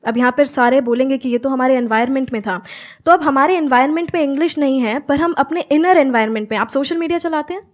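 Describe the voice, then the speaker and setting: High-voiced young woman speaker mixing English. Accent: Haryanvi Hindi. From Haryana, India. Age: 20s. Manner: mixes Hindi with clear, slow English phrases. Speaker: motivational speaker and English teacher. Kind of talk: stage conversation with audience questions.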